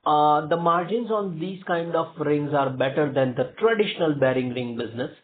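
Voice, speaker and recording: A man with an Indian accent speaks over a narrow, tinny conference phone line. He answers as a company executive, feeling his way through phrases in a halting manner. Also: fairly high pitch, a little hiss or hum. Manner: halting, hedged phrasing with repeated filler phrases. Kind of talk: earnings call question and answer.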